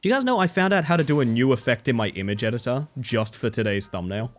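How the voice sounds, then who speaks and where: A man streaming a video game, slightly hoarse, talking to his chat in an animated, joking way. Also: medium pitch, quick pace, faint music behind. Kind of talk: casual live-stream chat.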